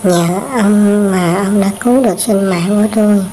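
A woman's voice: medium pitch, moderate pace, warm tone, natural voice. A woman voicing a grateful, emotional old grandmother in a cartoon, effusively repeating herself. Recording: faintly noisy home-made cartoon dub.

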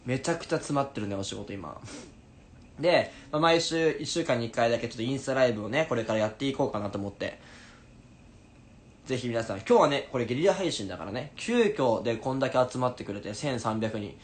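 A man in his twenties chatting casually on a livestream in an animated way, answering viewers as he goes. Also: mid-range voice, fast. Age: 20s. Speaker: stage actor livestreaming to fans. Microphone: phone at arm's length. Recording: noisy room ambience, phone livestream.

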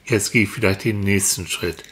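Speaking at a moderate pace, a man with a low-leaning, fairly bright voice keeps his tone steady. He improvises reassuring talk to a child character, explaining things patiently and encouragingly as a mentor in a children's audio series.

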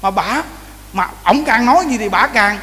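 A man's voice: high voice, normal speed. A man with a Southern Vietnamese accent preaching a Buddhist sermon in a temple hall, telling stories with lots of repeated words and frequent calls to the audience. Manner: animated storytelling, repeats words, addresses the audience often. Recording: reverberant hall with faint noise.

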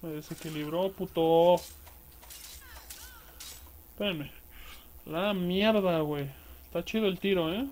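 Swearing Mexican gamer commentating. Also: male voice, high voice, takes it slowly, long pauses, darkish tone, slight background noise. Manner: crude slangy banter, swearing at enemies. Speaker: gameplay streamer. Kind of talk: casual let's-play commentary.

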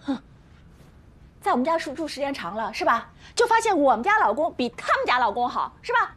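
A sharp-tongued jealous wife. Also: female voice, high-pitched, very animated. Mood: accusing. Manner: scolding, sarcastic, rapid questions. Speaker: wife confronting her husband's houseguest. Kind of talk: TV drama acting. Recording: TV drama with loud score.

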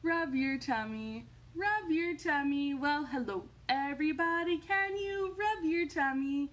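High-pitched woman, unhurried children's storytime host. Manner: sing-song, expressive reading to small children. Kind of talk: children's storytime read-aloud and chat. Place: indoors, home living room. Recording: home recording with faint background noise.

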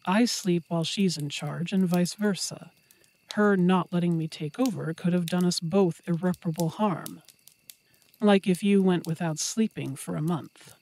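A woman's voice: lowish voice, a little mellow, dry recording. A woman playing a playful, possessive werewolf girlfriend in an intimate roleplay audio, talking to the listener in a teasing, affectionate way. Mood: confiding.

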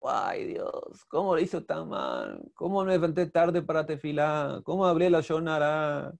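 A man's voice: on the high side, big pitch swings, a little slow, vocal fry, full character voice. A man whose first language is Portuguese voicing a poor, simple peasant man who pleads with God in a plaintive, earnest way. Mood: lamenting.

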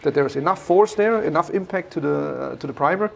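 A man with a German accent walks visitors through a large workshop hall. He explains each step patiently, with lots of fillers and restarts. His voice is slightly high with a gravelly edge, over faint workshop ambience. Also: fast talker, a little hiss or hum. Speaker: factory guide. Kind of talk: guided factory tour explanation.

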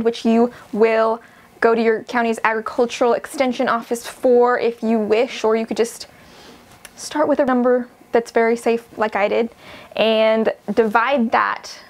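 Young woman with a gravelly edge. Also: fairly high pitch. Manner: steady, practical explaining. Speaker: shepherd teaching grazing. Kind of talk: instructional video lesson. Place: indoors in front of a wooden wall and whiteboard.

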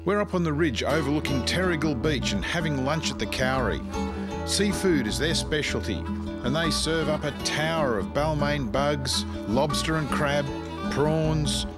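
A man's voice: a little high, measured pace. An Australian man hosting a cooking show, reading an easygoing voice-over narration. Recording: music bed under the voice-over.

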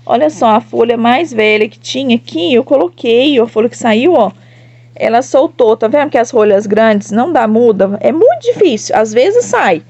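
A woman from Brazil with a southern Minas Gerais accent, showing her succulents to followers in an excited, gushing way and talking straight to viewers. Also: fairly high pitch, moderate pace, husky, no echo, highs cut off. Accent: southern Minas Gerais Portuguese. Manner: gushing, enthusiastic, addresses viewers often. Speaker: succulent grower and seller. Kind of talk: casual plant showcase to followers.

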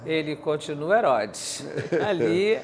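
A woman's voice: sits low, very animated, slow, slight background noise. A middle-aged Brazilian woman speaking conversationally as an interviewer in an indoor studio. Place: quiet indoor studio, seated.

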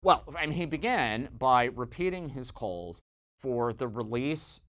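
A middle-aged man giving a weekly church news commentary from a small studio on a lapel mic, conversational and wry, with lively emphasis and dry asides. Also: mid-range voice, a little slow. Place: small dark studio set, indoors.

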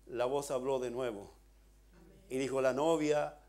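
A Chilean male pastor preaching a sermon in church, retelling a vision with repeated "dice" and rising to loud, impassioned pleas. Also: medium pitch, steady tone, unhurried. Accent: Chilean Spanish.

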